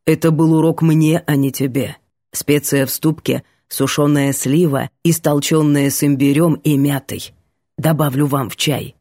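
A gruff, sly male cook, put on by a woman reading a storybook. He speaks low and husky, with a grumbling, knowing tone. The sound is dry and close. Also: steady tone, measured pace, mellow, no echo. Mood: wry. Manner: grumbling, then wry.

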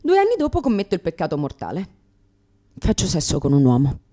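A woman's voice: on the low side, huge pitch swings, a little fast, mellow. A woman performing a theatrical comic monologue as a brash, neurotic lesbian comedian, sardonic, exclamatory, crude and self-mocking. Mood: wry, ironic.

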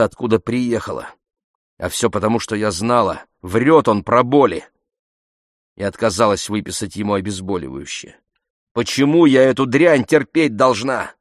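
A man's voice: fairly low pitch, dry recording, studio quality, lightly acted. A man voicing a middle-aged immigrant woman doctor from Nigeria who complains heatedly and asks one rhetorical question after another. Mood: aggrieved.

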